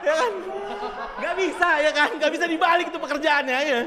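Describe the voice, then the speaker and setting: A man in a raised, projected voice talks at a fairly quick pace with an animated tone over noticeable background noise. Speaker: comedian. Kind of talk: stand-up comedy set. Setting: stage with audience. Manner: animated, punchy joke delivery with crowd-directed tags; casual Jakarta slang, self-deprecating, fast-paced.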